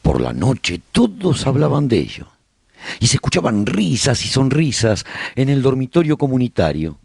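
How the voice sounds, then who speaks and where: A man playing a survivor who recounts life in a post-apocalyptic colony, narrating a radio serial in an expressive, husky storytelling voice. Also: medium pitch, moderate pace, dry recording, studio quality, heavily acted. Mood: hopeful. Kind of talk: scripted first-person radio drama narration.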